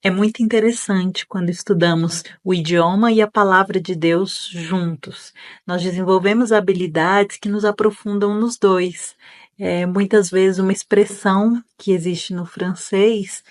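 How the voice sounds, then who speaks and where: A Brazilian woman gives a calm, measured testimonial as a student. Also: medium pitch.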